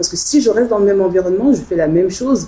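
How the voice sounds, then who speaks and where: There is noticeable background noise as a woman speaks at medium pitch. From France, Paris suburbs (Seine-Saint-Denis). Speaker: education program manager at a youth association. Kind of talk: interview conversation.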